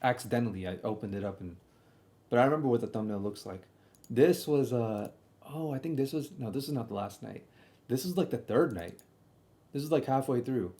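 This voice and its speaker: A man's voice: medium pitch, fairly quick, warm tone. A young man telling a casual, slangy stream story, often doubling back and repeating himself as he comments on old videos.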